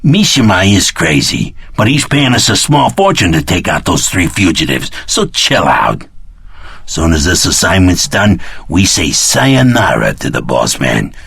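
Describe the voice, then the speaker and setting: An actor playing a hot-headed, insolent hired soldier in a video game, sneering and threatening. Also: male voice, low voice, sing-song, a little slow, gravelly, fairly bright tone, breathy edge, full character voice. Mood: grumbling. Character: snarling hot-headed gun-for-hire soldier, cocky and insolent. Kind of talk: video game combat barks.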